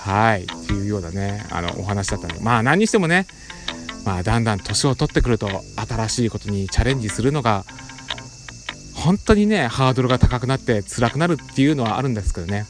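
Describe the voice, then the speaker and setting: A middle-aged man casually telling a story as a podcast host, animated, with playful sound effects and rough casual phrasing. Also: lowish voice, fast talker, music in the background.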